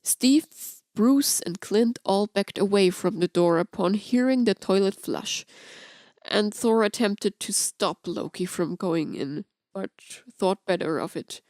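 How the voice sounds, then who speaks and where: A woman's voice: mid-range voice, slow, darkish tone, no echo. A woman reading scripted fan fiction aloud as an audiobook narrator.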